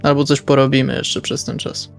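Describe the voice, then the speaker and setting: Gracz RPG z chropowatym, skrzypiącym głosem. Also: male voice, mid-range voice, flat delivery, moderate pace, gravelly. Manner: informal, sweary. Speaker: tabletop role-play player. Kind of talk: casual improvised role-play, speaking in and out of character. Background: faint music.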